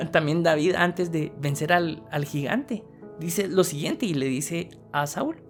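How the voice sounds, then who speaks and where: A woman's voice: deep voice, slow, soft background music. A woman with a Guatemalan Spanish accent gives a motivational sermon, speaking earnestly and directly to the listener with rhetorical questions. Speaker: preacher.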